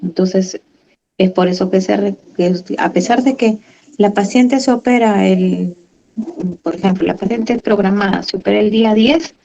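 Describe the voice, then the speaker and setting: A woman's voice: medium pitch, steady tone, moderate pace, gravelly, dark tone, lo-fi sound, a little hiss or hum. A woman giving a medical lecture, reading from slides and then explaining in her own words with fillers and tag questions.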